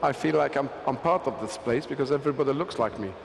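A man's voice: mid-range voice, quick pace, creaky. An older man hosting a live stage interview on a large concert stage, chatty and laughing, on a handheld mic. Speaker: show host. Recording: arena reverb with crowd noise.

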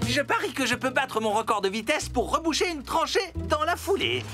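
High, cocky cartoon digger. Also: male voice, very animated, a little fast. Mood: boastful, excited. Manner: boastful, impatient. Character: cocky, eager, speed-obsessed backhoe digger. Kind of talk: French children's cartoon dub. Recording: music underneath.

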